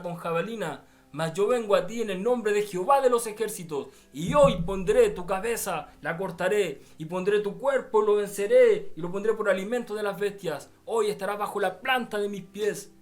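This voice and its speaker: A male preacher voicing a young shepherd hero who slowly and loudly proclaims his defiance. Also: high-pitched, natural voice. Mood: defiant. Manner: loud, slow, proclaiming declarations.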